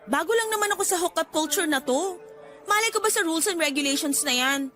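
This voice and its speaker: High-pitched, sassy young Filipina. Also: female voice, animated, a little fast, sharp tone, heavily acted. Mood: defensive. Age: 20s. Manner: sassy, defensive, breezy retorts. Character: defiant, flippant single woman nearly thirty, freshly heartbroken. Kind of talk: Tagalog radio drama acting. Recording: music faintly underneath.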